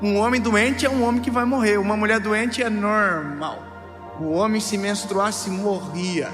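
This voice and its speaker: A man in his thirties preaching a sermon with emphatic, playful delivery, rising to near shouts. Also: high-pitched, unhurried. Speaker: pastor. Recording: live hall with long reverb and music.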